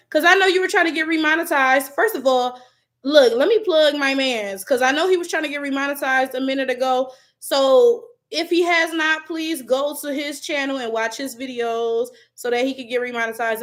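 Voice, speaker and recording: A woman's voice: high-pitched, fairly bright tone. A woman with a Detroit accent chatting casually on a livestream, reading viewer comments aloud, loose and slangy, laughing often. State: voice cracking. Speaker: YouTuber reading live chat comments.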